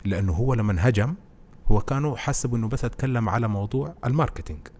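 Fast-talking man, husky and mellow. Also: mid-range voice. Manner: animated storytelling, explains with anecdotes. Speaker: guest, presentation expert. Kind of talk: casual podcast conversation.

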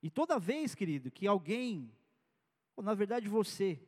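A man's voice: high voice, sing-song, a little slow, in a large hall. A man preaching a sermon as pastor, in a conversational style with personal stories.

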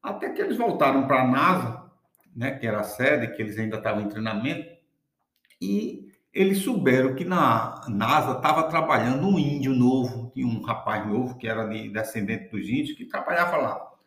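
A man's voice: mid-range voice, normal speed. Folksy male storyteller. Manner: folksy, relaxed, frequent tag questions. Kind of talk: casual oral storytelling. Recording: echoey room.

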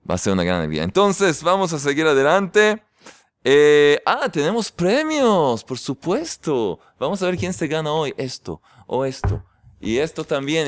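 A man in a yeshiva teaching a lively religious class in a cheerful, joking way. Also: medium pitch, clean tone, dry recording. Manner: cheerful and joking, keeps exclaiming with delight. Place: yeshiva study hall.

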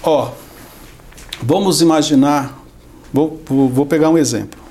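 A man's voice: fairly high pitch, unhurried, a little mellow. A Brazilian man on a podcast, teaching in a conversational way, explaining with everyday examples and acting out quotes. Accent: Brazilian Portuguese. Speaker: podcast guest.

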